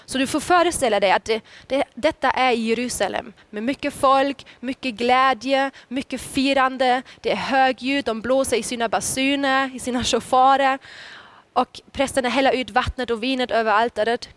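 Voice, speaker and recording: Woman preacher, higher-pitched voice, storytelling sermon delivery with dramatic quoted lines. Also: a bit bright. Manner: storytelling, dramatic rises when quoting.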